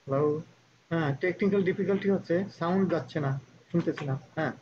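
Higher-pitched man speaking over a call line. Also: fast. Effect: heard over an online call line. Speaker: guest speaker at a memorial meeting. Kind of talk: formal speech address. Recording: muffled lo-fi call audio with faint noise.

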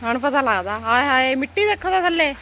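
A woman's voice: sits high, animated, brisk, fairly bright tone, a little hiss or hum. A woman with a Punjabi accent chatting casually in a teasing, chiding way as she vlogs. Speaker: vlogger. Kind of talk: casual vlog chat.

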